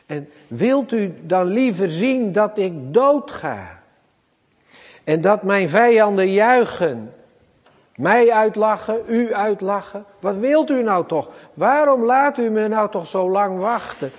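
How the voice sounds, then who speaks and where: A desperate biblical king cries out to God in anguished, repeated pleas, his voice pitched higher than usual, as a preacher puts him on. The words come slowly and weightily. A long reverb rings around him. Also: sing-song, darkish tone, breathy edge, heavily acted.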